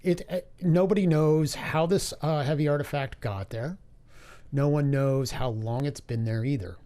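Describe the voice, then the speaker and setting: A man co-hosting a podcast, telling things in a halting, hesitant way in casual chat. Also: on the high side, dark tone. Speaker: podcast co-host.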